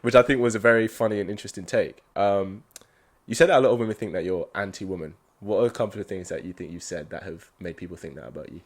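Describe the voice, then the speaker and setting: A man hosts a relaxed interview, agreeable and curious as he questions his guest. His voice sits on the low side. He keeps the talk friendly and loose. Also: fast talker. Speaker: podcast host. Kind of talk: casual interview chat.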